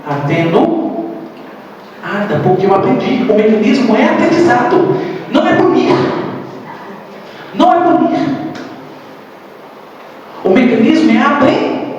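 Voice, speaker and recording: A man giving a public spiritual lecture at a spiritist center, animated, asking rhetorical questions and repeating key phrases. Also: high voice, a little hiss or hum. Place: meeting hall of a spiritist center. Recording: echoey hall, voice from far off.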